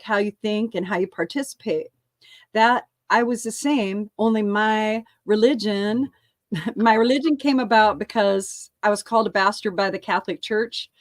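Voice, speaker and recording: A woman's voice: mid-range voice, no room sound. A middle-aged woman co-hosting a casual talk show, speaking candidly, swearing freely and laughing often. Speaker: co-host. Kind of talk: casual chat.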